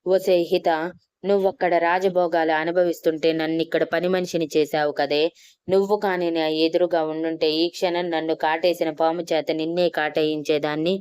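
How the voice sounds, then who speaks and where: A woman acts out a spoiled, bitter young woman in a storybook, whining and demanding through tears. The voice is low-set and very clear, recorded dry. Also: flat delivery, normal speed, a little mellow, no room sound, close to an everyday voice. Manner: tearful, demanding.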